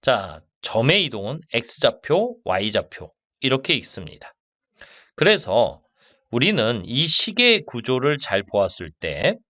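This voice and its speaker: A male math teacher giving a lecture. He slows down to stress key terms and keeps asking if the class follows. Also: medium pitch, bright, forceful tone, dry recording. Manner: slow and stressed on key terms, asks checking questions.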